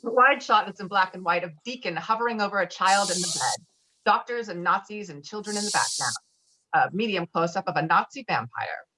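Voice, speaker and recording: A woman's voice: medium pitch, animated, fairly quick, background noise. A woman reading screenplay directions aloud at a table read in clipped, descriptive phrases. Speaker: stage directions reader.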